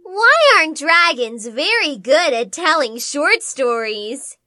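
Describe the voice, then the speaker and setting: A playful young cartoon dragon voice, high and very animated. It answers like a children's voice assistant, deliberate and unhurried, with a bright edge. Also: female voice, dry recording, clean studio sound, heavily acted. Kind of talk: voice assistant character replies for children.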